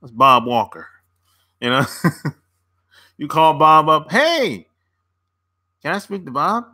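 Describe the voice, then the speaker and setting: Chill guy chatting with his viewers, slow talker, slangy, laughs a lot, voice kinda high. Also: big pitch swings, sharp tone. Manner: laid-back and slangy, laughs often between remarks. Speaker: dating coach and channel host. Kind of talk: casual livestream chat answering viewer comments.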